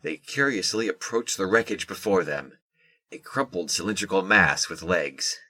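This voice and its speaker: A man narrating a scripted audio drama in a measured, descriptive storytelling manner. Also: low voice, lively intonation, bright, forceful tone, no room sound.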